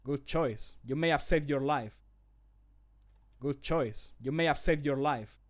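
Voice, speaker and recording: Speaking with a medium pitch and only light acting, a native Spanish speaker portrays a strict, scolding city guard in a fantasy game, delivering his warnings deliberately.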